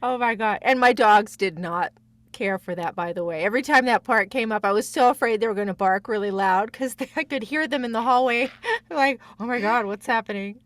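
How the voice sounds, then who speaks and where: A woman guest voice actress telling stories casually, in a chatty, giggly, rambling and animated way. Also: on the high side, a little fast, no room sound.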